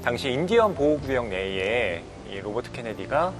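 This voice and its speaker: A man gives explanatory commentary on a talk show. His mid-range voice moves with very animated intonation as he tells things emphatically. Music is clearly heard behind him. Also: mid-range voice, normal speed. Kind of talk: explanatory storytelling. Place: broadcast studio talk show.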